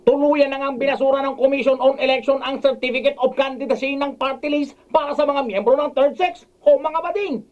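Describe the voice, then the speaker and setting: A woman's voice: high-pitched, fairly even intonation, fairly quick, few pauses, lo-fi sound, close to an everyday voice. A woman voice talent performing a scripted radio sample.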